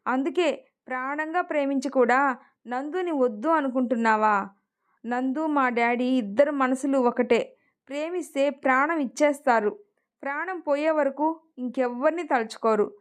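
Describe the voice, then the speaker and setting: A woman's voice: sits high, moderate pace, close to an everyday voice. A woman voicing a stubborn young heroine who lost her father, in an emotional story reading. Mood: sorrowful.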